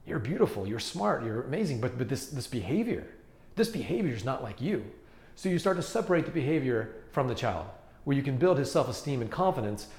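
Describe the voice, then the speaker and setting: A man's voice: mid-range voice, darkish tone. A man working as a coach, explaining ideas earnestly to the camera and repeating words as he thinks. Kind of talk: talking-to-camera teaching video. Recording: roomy echo.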